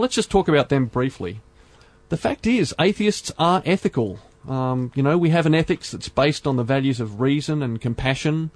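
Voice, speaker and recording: A man hosts a podcast in an earnest, measured way, dotting his talk with "you know." His voice sits at a middling pitch. The recording is close and dry. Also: darkish tone, no room sound. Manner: earnest, speaks in measured phrases with many fillers. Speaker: podcast host. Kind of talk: casual podcast discussion.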